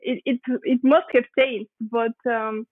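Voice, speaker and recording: High-voiced woman host over a tinny call. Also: fairly even intonation, unhurried. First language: Bulgarian. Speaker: podcast host. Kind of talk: interview questions. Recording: tinny phone-like call audio.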